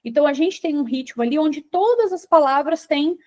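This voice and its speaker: A woman's voice: high voice, expressive, a little fast, mellow. A Brazilian woman with a Brazilian Portuguese accent, an English teacher and engineer, answering interview questions in a confident, teacherly way that builds points as lists.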